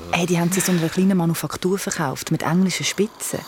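A woman with a Swiss German accent telling a spooky story in a lively, dramatic way, sometimes dropping to a whisper. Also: on the low side, quick pace, slight background noise. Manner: lively, dramatic, drops to a whisper at tense moments. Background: music.

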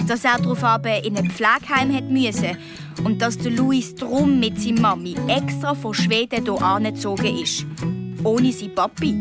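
A woman with a Swiss German accent narrating a children's story in the first person as a young girl, earnest and childlike. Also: on the high side. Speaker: audiobook narrator.

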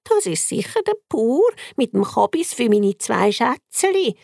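A woman's voice: fairly high pitch, very animated, measured pace, vocal fry, darkish tone, no room sound, studio quality, pitched above the performer's own voice, heavily acted. Woman doing a cooing, fussy grandma. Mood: doting. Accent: Swiss German.

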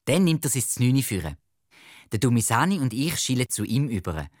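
A woman with a Swiss German accent reading a children's story aloud in a lively, expressive way, told in the first person. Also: very deep voice, fairly quick, no echo, studio quality.

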